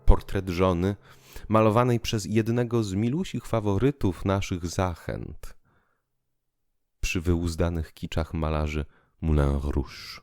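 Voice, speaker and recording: A man narrating a literary audio drama in a theatrical, expressive way. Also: sits low, slow pace, dry recording, clean studio sound. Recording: music bed under the voice. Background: piano and musical accompaniment.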